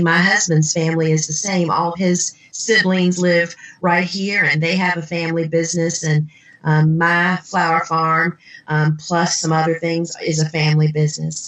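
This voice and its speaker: At a moderate pace, a woman speaks with fairly even intonation and a fairly low pitch. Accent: Southern US. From Virginia, Newport News. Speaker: flower farmer and author. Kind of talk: interview. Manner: conversational with fillers.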